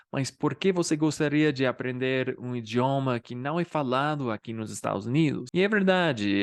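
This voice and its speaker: A young man from the United States with an American accent, a native English speaker hosting a language channel and explaining things to camera in a relaxed, conversational way. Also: mid-range voice, dry recording. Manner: relaxed and conversational, many filler tags. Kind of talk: casual explainer talking to camera.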